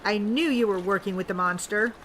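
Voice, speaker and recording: A woman's voice: medium pitch, brisk, fairly bright tone, slight background noise, lightly acted. A woman playing a suspicious, self-righteous townswoman in an audio drama, indignant and accusatory. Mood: indignant, accusing.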